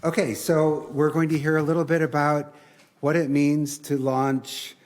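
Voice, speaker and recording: A man hosting an event, giving a semi-formal introduction of a speaker in a halting, deliberate manner. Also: a little high, flat delivery, a little mellow.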